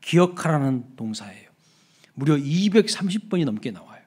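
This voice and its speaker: A man delivering a Sunday sermon, his voice sitting a little high for a man. He preaches emphatically, falling suddenly soft and then rising again to act out exclamations. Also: sing-song, moderate pace, slightly rough. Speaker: pastor. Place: church sanctuary.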